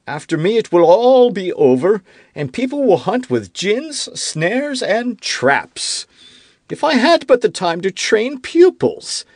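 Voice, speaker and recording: Man reading as a high, whiny king, petulant and self-pitying, swinging pitch, dry close sound. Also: no echo, full character voice. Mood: complaining. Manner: rising into indignant outbursts. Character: fretful, self-pitying middle-aged king, quick to anger. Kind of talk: audiobook character reading.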